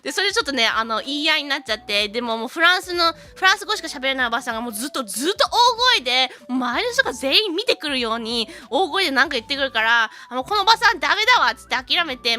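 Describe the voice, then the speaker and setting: Woman livestream host, native English speaker, high-pitched and bright, animated bilingual chat. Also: quick pace, soft background music. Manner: animated storytelling, switching between Japanese and English. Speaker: VTuber streamer.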